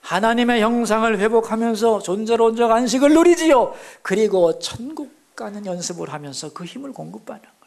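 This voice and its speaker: Animated high-voiced Korean pastor preaching. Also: male voice, fairly quick, gravelly. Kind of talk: sermon. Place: church sanctuary.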